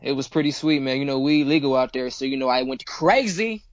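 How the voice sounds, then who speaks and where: A man's voice: mid-range voice, expressive, fairly quick, dry recording, dull audio. A man in his twenties from Cleveland, chatting casually as a guest in slangy, repeating speech. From Cleveland, Ohio. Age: 20s. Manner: laid-back, slangy, repeats himself. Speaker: guest rapper. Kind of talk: casual interview chat.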